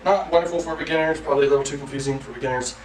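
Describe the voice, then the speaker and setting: A man giving a casual, energetic online marketing tutorial, salesy and loose, often saying freaking. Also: a little high, very fast, faint music behind. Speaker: online course creator. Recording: echoey room, mic at a distance, faint ambient noise.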